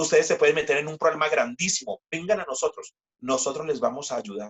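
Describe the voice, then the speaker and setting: Very fast speech from a man with a fairly high voice and lively intonation. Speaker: pastor. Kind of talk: sermon.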